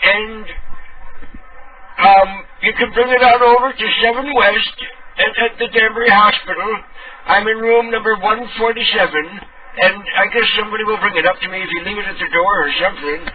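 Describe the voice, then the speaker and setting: A befuddled, childlike male patient, put on by a prank caller, speaks in a high-pitched voice down a tinny phone line. He hesitates, stammers and repeats himself like someone simple and eager. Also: fairly even intonation, moderate pace, far from the mic, natural voice.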